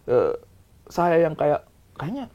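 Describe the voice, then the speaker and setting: A man talking as a film director, explaining his views with examples in a casual, animated way. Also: fairly high pitch, quick pace, highs cut off. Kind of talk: casual discussion.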